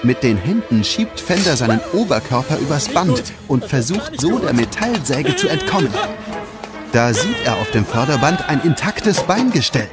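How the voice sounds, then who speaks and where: A man tells a children's story as a dramatic narrator. His mid-pitched voice moves expressively over loud music. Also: big pitch swings, moderate pace.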